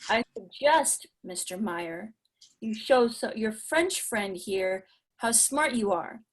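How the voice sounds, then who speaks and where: A woman's voice: medium pitch, animated, takes it slowly, poor audio. A woman playing a stern, officious male math teacher in a virtual table read.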